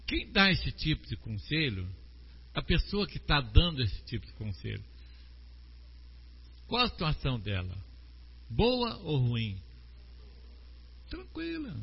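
Brazilian preacher guy, slow and emphatic, muffled lo-fi recording with a long echo. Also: mid-range voice, very animated, breathy edge. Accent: Brazilian Portuguese. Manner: slow, emphatic preaching that asks the congregation questions. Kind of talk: sermon. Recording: long hall reverb, dull lo-fi sound.

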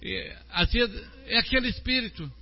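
A man with a Brazilian Portuguese accent preaching a sermon slowly and with emphasis, asking his congregation questions. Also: sits high, lively intonation, gravelly. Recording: long hall reverb, dull lo-fi sound.

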